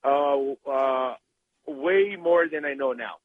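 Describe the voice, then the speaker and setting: A man from Brazil with a Brazilian Portuguese accent, a guest in an interview, talking eagerly with many halting restarts. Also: mid-range voice, lively intonation, a little hiss or hum. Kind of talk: interview over phone. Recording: tinny phone line.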